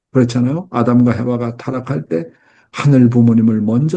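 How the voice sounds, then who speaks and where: At a moderate pace, a man speaks in a somewhat breathy, dark, mellow voice of medium pitch with ordinary pitch variation. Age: 60s. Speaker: religious lecturer. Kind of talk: religious lecture. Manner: formal.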